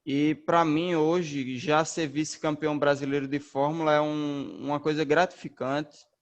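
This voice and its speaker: A young man from northeastern Brazil, a racing driver, answering interview questions in a relaxed, slangy way with many fillers. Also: on the high side, normal speed. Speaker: race car driver, interview guest.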